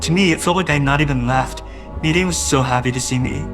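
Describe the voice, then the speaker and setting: A man's voice: on the high side, fairly quick, music in the background. A man narrating a first-person audio drama in a wistful, doting way that grows uneasy.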